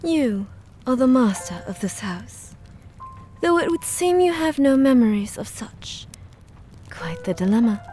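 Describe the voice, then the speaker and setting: A woman playing a pale, eerie, courteous maid in an audio drama, with formal, archaic, measured speech. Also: a little high, big pitch swings, warm tone. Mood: composed, enigmatic. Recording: music behind the voice.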